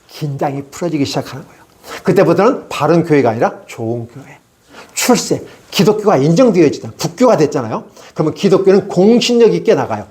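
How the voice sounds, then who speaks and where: A man's voice: fairly high pitch, darkish tone. A middle-aged male pastor preaching an evening revival sermon, asking rhetorical questions and acting out people's prayers.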